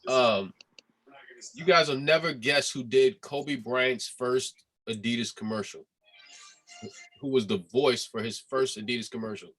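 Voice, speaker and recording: A man's voice: mid-range voice, a little slow, fairly bright tone, faint music behind, rough recording. Amused man telling a story on a video call. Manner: amused, laughs while telling stories. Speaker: guest designer. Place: home room. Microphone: laptop mic on video call.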